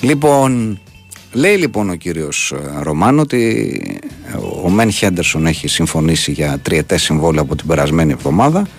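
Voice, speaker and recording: A man hosting a Greek sports radio show in casual banter, talking with lively ups and downs. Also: slightly rough, faint music behind. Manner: animated, jumps up and down in pitch.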